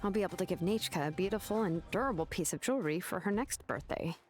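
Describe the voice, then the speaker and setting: A woman's voice: on the low side, animated, fast, a little mellow, soft background music, lightly acted. A woman voicing a laid-back, kind young jewelry crafter in a video game, casual in manner. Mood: easygoing.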